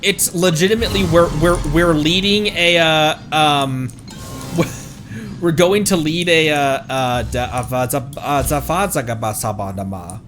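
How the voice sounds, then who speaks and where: A man doing casual live gameplay commentary in an animated, halting way, exclaiming often. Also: a little high. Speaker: livestreamer, VTuber. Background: game music.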